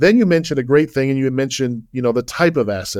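This man has a plain, everyday voice. His pitch is fairly high, with ordinary variation. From Utah (Salt Lake City). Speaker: cost segregation expert. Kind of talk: interview.

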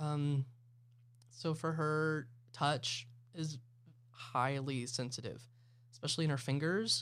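A man's normal speaking voice with an American accent, fairly high in pitch and fairly even in intonation, at a fairly slow pace, in a very clean recording with a silent background. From Oklahoma City. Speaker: music teacher. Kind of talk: casual chat.

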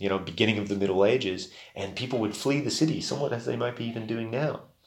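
A man talks at a very fast pace with a fairly low pitch, and audible room echo surrounds his voice. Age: 30s. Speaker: charity representative speaking at a church. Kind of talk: sermon.

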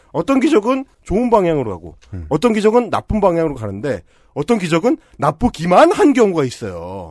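On a very clean, dry and close recording with no echo and a silent background, a man speaks at a fairly quick pace with big swings in loudness. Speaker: fake news debunker. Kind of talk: casual chat. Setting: studio. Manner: animated.

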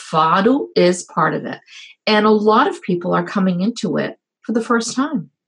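A woman speaks at a moderate pace with medium pitch and vocal fry. Her intonation is lively. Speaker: podcast co-host. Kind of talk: casual chat.

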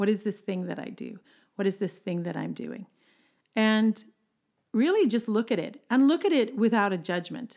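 With vocal fry and a fairly high pitch, a woman speaks at a moderate pace, leaving long, frequent pauses, her loudness swinging widely while her pitch varies in an ordinary way. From Ireland. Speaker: podcast host, documentary maker. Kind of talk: solo motivational talk. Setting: studio microphone.

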